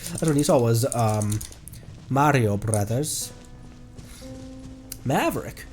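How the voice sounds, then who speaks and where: A young man with blocked sinuses talks casually over gameplay, rambling and filling pauses with ums. His voice moves up and down a lot and sits in a middle register. Now and then he bursts out loud and excited. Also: medium pitch, faint music behind. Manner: rambling, hesitant with many ums; sudden loud excited outbursts. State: stuffed up, congested sinuses. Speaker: streamer.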